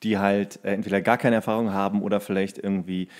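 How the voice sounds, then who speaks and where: A man's voice: fairly low pitch, flat delivery, fast. A man co-hosting a podcast in casual, colloquial chat, telling anecdotes and re-enacting the dialogue as he goes. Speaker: podcast co-host and actor.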